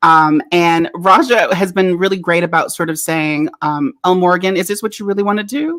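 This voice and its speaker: In a very clean recording with a silent background, a woman talks at a moderate pace and medium pitch with hardly any pauses, in a plain, everyday voice. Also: ordinary pitch variation. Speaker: stage actor and producer. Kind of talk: casual interview chat.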